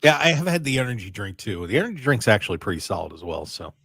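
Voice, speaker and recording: A man hosting a radio show in casual, rambling chat, his voice a little raspy and strained. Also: fairly low pitch, quick pace, dry recording, studio quality. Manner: chatty, excitable, rambling. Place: radio studio.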